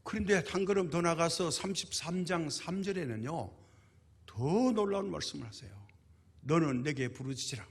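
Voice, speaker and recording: A man's voice: sits high, animated, normal speed, breathy edge. A male pastor preaching a sermon in a church, emphatic, posing rhetorical questions and answering them himself. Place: church sanctuary. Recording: reverberant church hall.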